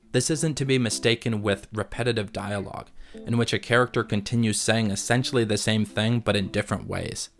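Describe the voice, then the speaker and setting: A man narrating a scripted video essay in a measured, analytical way. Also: lowish voice.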